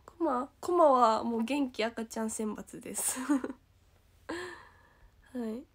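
A young woman with a Kansai accent hosts a casual livestream, high and sweet in pitch. She reads comments aloud and thanks viewers, giggling often and slipping now and then into a hushed whisper. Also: slow. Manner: giggly, bubbly, drops to soft whispers. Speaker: idol livestream host.

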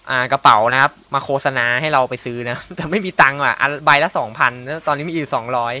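Excitable man narrating his gameplay. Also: medium pitch, quick pace. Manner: excitable, exclaims and mutters to himself, makes sound effects. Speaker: gameplay commentator. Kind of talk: casual let's-play commentary.

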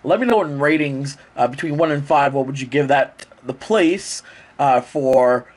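A man's voice: mid-range voice, moderate pace. Chatty man with a cold. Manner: rambling, chatty, many fillers. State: congested with a cold. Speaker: vlogger. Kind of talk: casual vlog talk to camera. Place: bedroom, outdoors on streets, in a store. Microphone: handheld action camera at arm's length.

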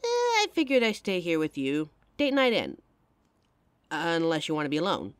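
A woman's voice: on the low side, wildly swooping pitch, normal speed, smooth, dry recording. Woman doing a caring girlfriend talking right to you, close mic, dry sound, voice swings up and down a lot. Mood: tender, reassuring. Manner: speaks straight to the listener, intimate and emotional. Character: devoted young adult girlfriend, caring and direct. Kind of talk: audio roleplay for a listener.

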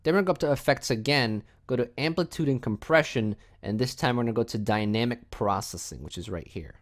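Speaking fast with lively intonation, a male tutorial host at medium pitch walks viewers through software one step at a time in a casual, instructional way.

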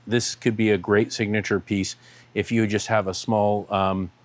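Middle-aged man, lowish voice, relaxed shop-owner tour guide, lots of filler sounds, big indoor store. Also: moderate pace. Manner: relaxed, many "um" fillers, pointing at products as he walks. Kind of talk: casual walking tour. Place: large aquarium shop showroom and warehouse, indoors.

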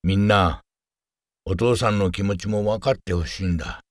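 Man acting an earnest, low-voiced father. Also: moderate pace, no room sound, clean studio sound, close to an everyday voice. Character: earnest, gentle family father. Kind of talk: everyday family drama.

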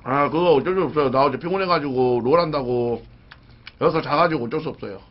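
A man's voice: on the high side, fast. A man live streaming and taking viewer calls, talking with his mouth full, blunt and rude with callers. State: talking while chewing. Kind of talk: casual live-stream chat while eating. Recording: dull lo-fi stream audio.

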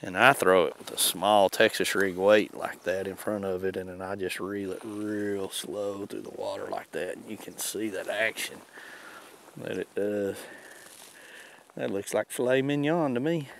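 A man's voice: lowish voice, unhurried, creaky, fairly bright tone, a little hiss or hum. A middle-aged man hosting a fishing show, giving casual, conversational commentary in a folksy way.

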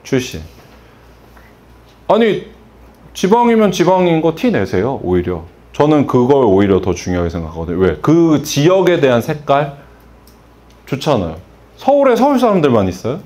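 Animated man lecturing a salon workshop. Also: medium pitch, moderate pace. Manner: animated, asks the audience questions, acts out customer exchanges. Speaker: salon business instructor.

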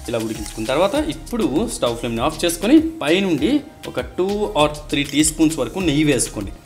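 A man narrating a cooking recipe step by step, addressing viewers directly in an instructional way. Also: fairly high pitch. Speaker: host of a cooking channel.

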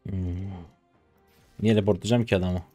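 A man in his twenties from Turkey giving casual live commentary on his own gameplay, chatty and trash-talking, with sudden loud excited shouts, on a close desk mic. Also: sits low, moderate pace, dry recording, faint music behind. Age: 20s. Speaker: gaming streamer.

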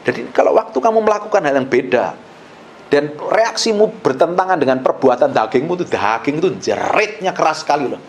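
Animated male preacher, high and lively. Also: brisk, slight background noise. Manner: animated, acts out quoted voices, swings between loud and hushed. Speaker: pastor. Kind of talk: sermon.

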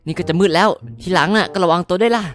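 A woman's voice: lowish voice, very fast, close to an everyday voice. Woman playing a nervous teenage boy, polite, stammering, flustered, game cartoon. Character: nervous kind-hearted teenage boy hero.

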